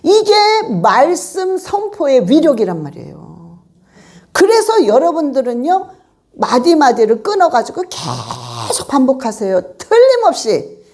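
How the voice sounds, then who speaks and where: A woman pastor from Korea delivers a sermon in a high voice. Her pitch leaps and dips all the time as she presses each point home. She repeats her urgings again and again to her listeners. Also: wildly swooping pitch, unhurried, dark tone. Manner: emphatic, repetitive exhortation addressing the congregation.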